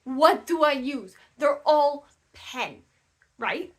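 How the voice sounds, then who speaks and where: A woman's voice: high-pitched, lively intonation, slow pace. A young woman vlogging casually about learning languages, speaking in a chatty way with frequent fillers and restarts. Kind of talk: casual talk to camera. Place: new house, room not yet decorated.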